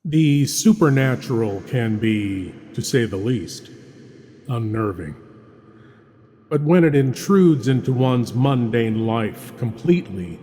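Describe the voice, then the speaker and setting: Lively male announcer with hall echo. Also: medium pitch, takes it slowly, breathy edge. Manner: dramatic, sinking to hushed dread. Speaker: announcer and narrator. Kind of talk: scripted promo and narration.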